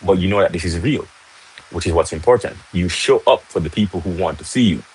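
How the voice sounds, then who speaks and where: With a deep, slightly mellow voice and a fairly quick pace, a young Jamaican man hosts a casual teaching livestream at home in Jamaica, speaking with a Jamaican accent. He chats freely, repeats "right?" and greets viewers mid-talk. The low-quality recording has slight background noise.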